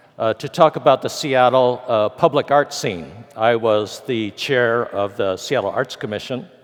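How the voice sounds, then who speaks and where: With an American accent, a man of medium pitch speaks at a fairly slow pace and ordinary pitch variation. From US, California. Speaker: author and guest lecturer. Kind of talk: lecture. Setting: church hall with audience. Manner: animated storytelling.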